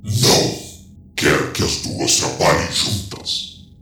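A ruthless villain commander for an audio drama, with a gravelly, bottom-of-the-range voice. He gives orders with arrogant menace, set back in an echoey space with music underneath. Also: animated, slow, sharp tone, exaggerated voice. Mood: menacing. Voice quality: deep, gravelly. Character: male villain commander, ruthless, arrogant, obsessed with his plans. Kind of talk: scripted audio drama acting. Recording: echoey, distant, with music behind.

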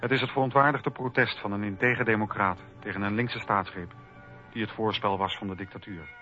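A man's voice: on the low side, fairly even intonation, fairly quick, pushed and bright. A man narrating history from a script for a documentary radio play. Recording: dull radio recording with faint music.

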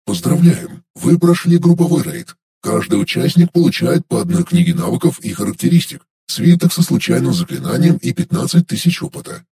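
A man voicing the impersonal announcer of a game system, in a flat, formal announcing manner. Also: on the high side, brisk, hardly any pauses.

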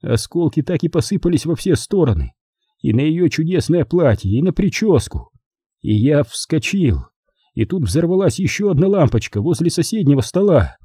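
A man's voice: fairly low pitch, wildly swooping pitch, moderate pace, hardly any pauses, warm tone, breathy edge, no echo, clean studio sound, exaggerated voice. A man voicing a theatrical, despairing middle-aged uncle who wails and exclaims in an audiobook. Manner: melodramatic, wailing and exclaiming. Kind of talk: audiobook character reading.

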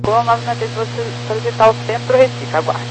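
A man's voice: extremely high pitch, little pitch movement, quick pace, loud music behind the voice. A man working as an air traffic controller directs flights in clipped procedural phrases over crackly radio. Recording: humming, noisy radio transmission.

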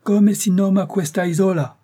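A man's voice: mid-range voice, moderate pace, warm tone, lightly acted. A man voicing a proud, irritable older professor in an audiobook, who asks brusque, impatient questions.

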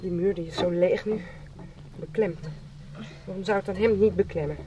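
A woman's voice: fairly low pitch, moderate pace, muffled recording, lightly acted. An actress playing an anxious, hesitant mother, pleading with worried doubt in a radio play. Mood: pleading, sorrowful. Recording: distant from mic, clear background noise.

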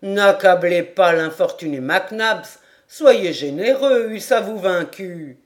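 A woman voicing a good-humoured male nobleman speaking in an amused, gently laughing tone in an audiobook. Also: lowish voice, expressive, slow pace.

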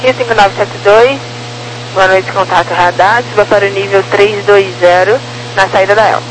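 A woman's voice: medium pitch, fairly even intonation, moderate pace. A woman with a Brazilian accent working as a radar controller, giving procedural instructions over the radio. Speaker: radar air traffic controller. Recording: noisy air traffic radio channel.

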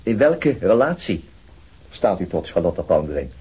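An actor in a radio play playing a weary male police detective who questions people in a dry, sarcastic way, with a husky voice. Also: deep voice, big pitch swings, unhurried, warm tone, full character voice, low-quality recording. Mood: probing. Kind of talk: Dutch radio play acting.

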